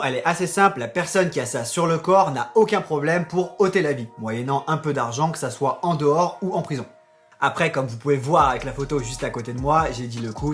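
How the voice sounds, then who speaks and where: A man hosting a tattoo vlog, explaining in a chatty, joking way and talking straight to his viewers. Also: fairly high pitch. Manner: chatty, addresses viewers directly, joking asides. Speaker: tattoo YouTuber.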